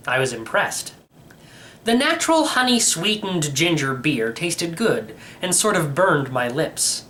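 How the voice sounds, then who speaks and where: A man's voice: on the high side, sharp tone, slight background noise. A man reading a children's story aloud as a first-person narrator. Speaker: audiobook reader.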